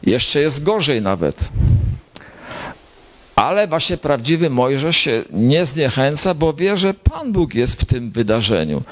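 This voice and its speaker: A priest giving a sermon to a gathering, slowly telling the story and rising to high, emphatic lines. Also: male voice. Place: gathering of bible circles.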